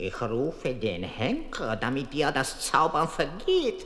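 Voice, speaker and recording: A pompous, cartoonish character voice drawls at a very slow pace over clear background noise and a clear echo. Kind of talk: comic puppet theatre. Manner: pompous, petulant, bossy.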